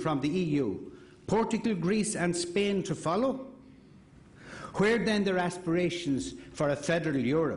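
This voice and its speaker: A speaker with an Irish accent talks at a moderate pace with ordinary pitch variation. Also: man. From Sligo, Ireland. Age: 60s. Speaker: independent election candidate; retired welfare inspector. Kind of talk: political campaign speech.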